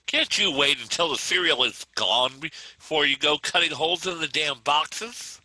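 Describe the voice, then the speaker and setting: A man's voice: fairly high pitch, normal speed, sharp tone, dry recording, rough recording. A man playing an irate, exasperated suburban father in a comedic script read, blustering and emphatic. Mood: irritated.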